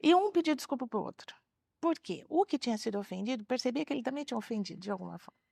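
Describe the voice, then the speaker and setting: Lively woman telling classroom stories. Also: on the high side, rapid-fire, creaky, husky, no room sound, clean studio sound. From Brazil. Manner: animated storyteller, acts out children's voices. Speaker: retired teacher and author, guest. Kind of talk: interview storytelling. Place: TV studio.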